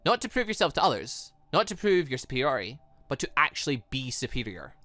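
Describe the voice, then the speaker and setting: A man's voice: mid-range voice, very animated, fast, sharp tone, no room sound, faint music behind. A man voicing a smug, condescending male villain in a visual novel game, with a pompous, lecturing delivery.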